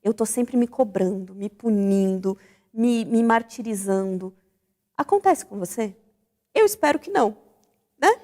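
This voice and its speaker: A woman's voice: medium pitch, unhurried, in a large hall. A woman hosting a Christian radio talk show, speaking reflectively and putting questions to her listeners. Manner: reflective, animated, asks the audience questions. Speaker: host.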